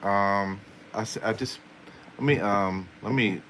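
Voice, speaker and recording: A man's voice: lowish voice, measured pace, fairly bright tone, a little hiss or hum, rough recording. A man hosting a casual live stream as a tarot reader, playfully answering viewer questions with frequent chuckles.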